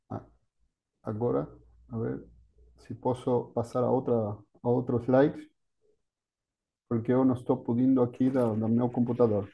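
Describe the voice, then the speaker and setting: A man's voice: mid-range voice, gravelly, lo-fi sound. A man with an Argentine Spanish accent, a native Spanish speaker, giving an academic panel talk over a video call with many fillers and restarts. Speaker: university lecturer.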